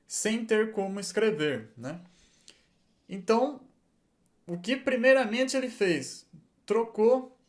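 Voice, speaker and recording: A man giving a patient lesson, explaining step by step and checking in with his listeners often. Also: high voice. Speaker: Hebrew and Greek teacher.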